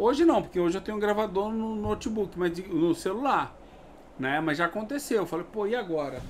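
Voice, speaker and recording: The man's high voice moves through very wide pitch swings. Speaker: spiritist study group leader. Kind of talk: online study group discussion.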